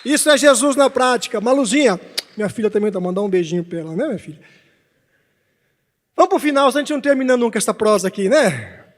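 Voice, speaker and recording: A man at a congress stage, giving a heartfelt lecture built on a personal story, sometimes hushed and sometimes loud. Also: very high-pitched, animated, fast talker. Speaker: speaker at a Spiritist congress. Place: conference hall stage.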